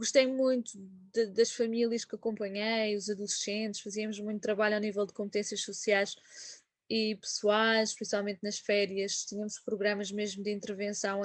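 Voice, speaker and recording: Monotone, flat delivery at a moderate pace. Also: woman. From Madeira, Portugal. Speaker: performance coach. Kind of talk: interview.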